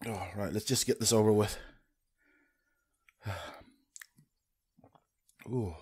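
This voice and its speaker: Man gasping after eating burning-hot horseradish, very slow. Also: on the low side, fairly even intonation, darkish tone, breathy edge. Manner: slow, broken utterances with groans, sighs and exclamations. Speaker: vlogger doing a food challenge. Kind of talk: casual reaction to camera while eating. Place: small home room with desk. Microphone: studio condenser mic on boom arm, close.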